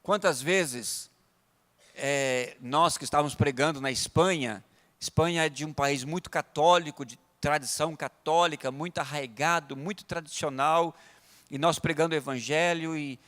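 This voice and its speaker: A man with a Brazilian Portuguese accent preaching in a church. His voice sits high and rings with a sharp, bright edge. It carries a long reverb through the large sanctuary. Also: moderate pace. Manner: storytelling preacher, swings from loud emphatic peaks to quiet asides. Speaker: pastor. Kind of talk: sermon.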